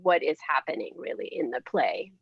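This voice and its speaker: A woman panel guest explaining casually, halting as she searches for her words. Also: deep voice, wildly swooping pitch, vocal fry, husky, no echo. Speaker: panel guest, dramaturgy collaborator. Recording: dry but dull call audio.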